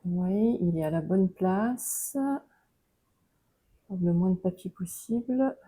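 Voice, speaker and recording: A woman's voice: on the low side, slow pace, husky, low-quality recording. A woman with a French accent, chatting casually through a book-crafting tutorial with frequent hesitations. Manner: relaxed, chatty, many hesitations.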